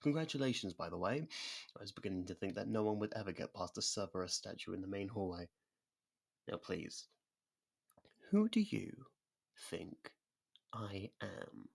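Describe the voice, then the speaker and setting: Performer putting on a creaky, low, mocking ancient vampire. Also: very animated, a little mellow, exaggerated voice. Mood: smug, curious. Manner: theatrical, mocking, slipping into slow whispers. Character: sadistic centuries-old vampire, mocking, bored, hypnotically predatory. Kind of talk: ASMR roleplay acting.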